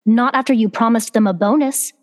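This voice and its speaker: A woman playing a frank, fairly high-voiced secretary. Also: brisk, darkish tone, lightly acted. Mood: reproachful. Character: frank, disapproving female office secretary. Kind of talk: old-time radio comedy acting.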